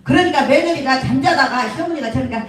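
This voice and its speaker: A woman comedian tells a story live on stage, chatting and laughing with the crowd. Her voice sits high. The sound is distant and drenched in hall echo. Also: fast talker. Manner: chatty, laughing, talks to the audience. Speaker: comedian and singing instructor. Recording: echoey hall, far from mic.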